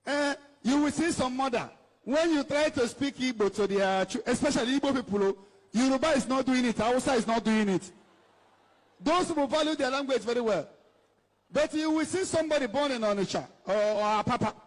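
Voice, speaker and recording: An evangelist with a Nigerian English accent preaches to his congregation in a strikingly high, brisk voice, scolding, emphatic, and repeating himself as he switches between English and Igbo. His words ring through a large church hall with an altar, leaving a long, lingering echo.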